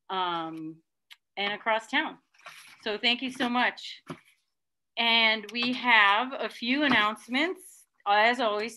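A woman's voice: mid-range voice, pushed and bright, slight background noise. A middle-aged woman hosting a virtual reading over a video call from home, chatty and enthusiastic. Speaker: event MC. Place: room at home. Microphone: video call webcam.

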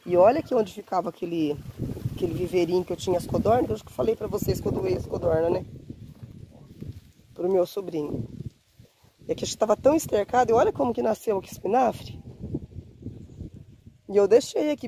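A woman in her forties, slightly hoarse from a cold, chatting warmly to her phone camera outdoors in a windy garden. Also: medium pitch, a little fast, long pauses. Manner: warm, chatty, often says "gente" and diminutives. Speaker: gardening vlogger. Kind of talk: casual chat to camera. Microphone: phone camera held at arm's length. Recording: faint wind noise outdoors.

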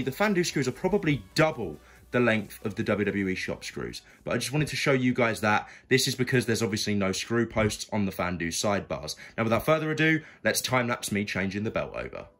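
A man's voice: mid-range voice, lively intonation, brisk, fairly bright tone. A young man hosting a casual, chatty video review, talking informally and directly to his viewers. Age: young adult. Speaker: YouTube host and product reviewer.

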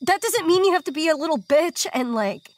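Audio drama defiant young runaway woman: high, very animated, blunt, desperate. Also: a little fast. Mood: angry, insistent. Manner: casual, blunt, swearing. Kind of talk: naturalistic audio drama acting.

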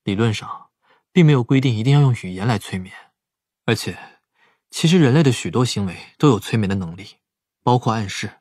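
An actor playing a calm, analytical young male investigator in an audiobook drama, speaking in a measured, reasoning way. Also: on the low side, breathy edge, no echo, clean studio sound. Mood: soft, teasing.

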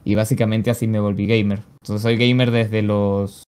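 A Venezuelan man in his mid-twenties talks over a headset on a video call from a small home streaming room. His storytelling is relaxed and rambling, and he leans on fillers like "básicamente" and "o sea.". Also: fairly low pitch, normal speed, smooth. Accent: Venezuelan Spanish. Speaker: guest, esports caster and pro player.

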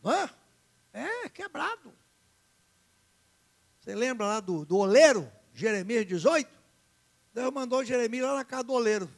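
A male pastor, preaching a sermon in an animated, dramatic way and acting out the story's characters. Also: very high voice, moderate pace, gravelly, pauses often.

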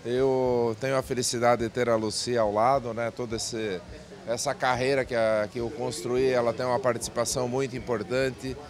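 A man's voice: mid-range voice, flat delivery. A man, president of a cooperative bank, speaking measuredly with restarts in an interview at an indoor event stand on a handheld mic. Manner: measured, repeats and restarts phrases.

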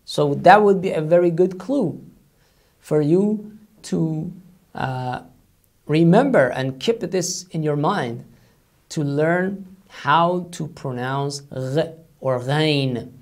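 In a recorded online language lesson, a man with a slightly high, slightly mellow voice explains patiently. He demonstrates each sound by repeating it slowly several times.

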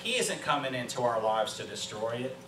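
American pastor preaching in a roomy church. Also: male voice, mid-range voice, expressive. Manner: earnest, emphatic pauses and repetition. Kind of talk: sermon. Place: small church sanctuary, indoors. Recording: roomy, distant mic with background hum.

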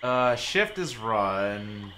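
A young man talks over a survival game he is playing, cracking jokes and swearing freely. His voice is bright and lively, leaping up and down in pitch, and he bursts out loud when startled. A faint hiss sits under the recording. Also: extremely slow. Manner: joking, swearing, loud outbursts. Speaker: gaming YouTuber. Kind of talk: let's play commentary.

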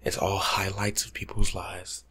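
A young American man doing a casual, slangy ASMR life coach roleplay in a hushed, breathy half-whisper, close to the mic. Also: deep voice, monotone, a little slow. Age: young adult. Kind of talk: ASMR roleplay monologue, softly spoken and whispered. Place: small room at home, indoors.

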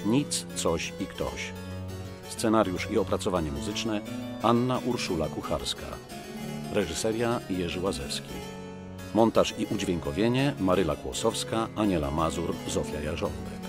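A man's voice: low voice, lively intonation, a little slow, music in the background. A man announcing the scripted credits of a radio play.

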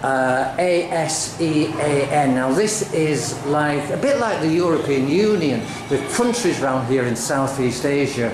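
A man making a casual vlog as he walks through a school, talking slowly with many pauses and uhs. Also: fairly high pitch, expressive, roomy sound, background noise. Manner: slow, chatty, says uh often. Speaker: vlogger filming a school visit. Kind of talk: casual walking commentary.

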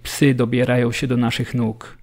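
Bewildered prisoner for radio drama male actor, gravelly, mid-pitched, stark clipped phrasing. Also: level tone, normal speed, lightly acted. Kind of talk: scripted radio drama monologue.

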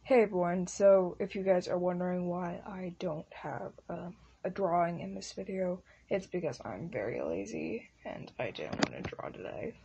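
A woman's voice: lowish voice, moderate pace, vocal fry, warm tone, breathy edge, lo-fi sound. A woman video creator talking casually to her viewers, offhand and self-deprecating.

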